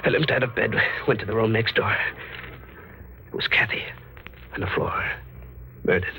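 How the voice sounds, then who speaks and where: A man's voice: lowish voice, normal speed, pushed and bright, a little hiss or hum. An actor playing a wounded, feverish man on the run with an American accent, in dramatic 1940s radio horror style with short clipped sentences. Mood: haunted. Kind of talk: 1940s American radio horror acting, first-person narration. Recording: old radio recording with music behind. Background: music.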